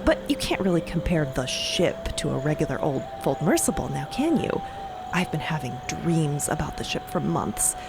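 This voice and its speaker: A woman voicing an excitable young princess envoy in an audio drama, gushing and babbling with breathless eagerness. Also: deep voice, normal speed, gravelly, loud music behind the voice, heavily acted. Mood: elated, eager. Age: young adult. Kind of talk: audio drama character acting.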